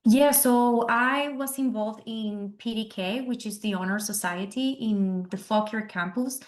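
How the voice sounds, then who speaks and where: A woman's voice: a little high, measured pace. Young Argentine-accented woman, Spanish first language, sincere graduate guest on a video call. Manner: earnest, careful, grateful. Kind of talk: interview over video call.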